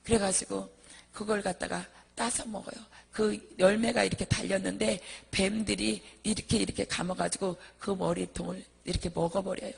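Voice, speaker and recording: A woman's voice: mid-range voice, fairly even intonation, moderate pace, creaky, breathy edge, long reverb tail. A woman giving a religious testimony, telling her vision in a vivid, emotional way. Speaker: church testimony speaker.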